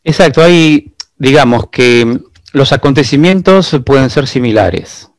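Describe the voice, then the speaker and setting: A man, a guest expert giving long, measured explanations in an interview, full of rhetorical asides. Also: medium pitch, animated, dry recording. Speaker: guest expert on biological decoding.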